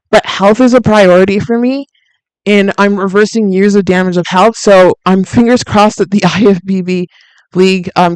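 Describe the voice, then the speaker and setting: A woman with a deep, soothing voice hosts a fitness livestream in a chatty, candid way, with plenty of fillers and easy laughs. Her tone is smooth and clean, recorded close and dry with no room sound. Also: no echo, low-quality recording. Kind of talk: casual livestream chat reading viewer comments.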